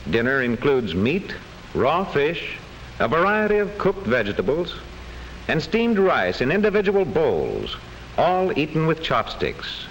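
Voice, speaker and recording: A man's voice: fairly high pitch, huge pitch swings, measured pace, slight background noise, poor audio. A man reads scripted narration for a vintage educational classroom film.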